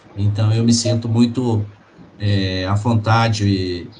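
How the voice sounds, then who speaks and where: This man talks in a fairly low pitch with monotone, flat intonation. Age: 60s. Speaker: lecturer on workplace quality of life. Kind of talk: lecture. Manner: hesitant, with many fillers.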